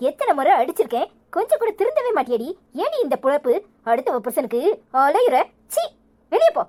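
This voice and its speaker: A furious young village wife from a cartoon scolds in a Tirunelveli Tamil accent. Her high voice swings wildly up and down. The tone stays soft and mellow. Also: wildly swooping pitch, a little fast. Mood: scolding. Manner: scolding, contemptuous.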